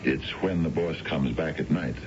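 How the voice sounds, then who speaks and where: An actor playing a middle-aged businessman husband in a 1970s radio drama, formal, hesitant and smoothly evasive as he makes excuses. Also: moderate pace, darkish tone. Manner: formal, hesitant, self-important. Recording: dull, noisy old radio broadcast with rumble.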